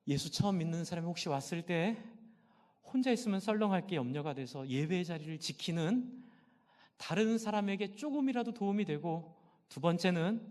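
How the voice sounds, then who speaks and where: A middle-aged male pastor preaches with fervor, his voice pitched high. He throws questions out to the congregation and answers them himself. His voice rings through a church sanctuary with a long, trailing reverb. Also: darkish tone. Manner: impassioned, asks and answers own questions. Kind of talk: sermon.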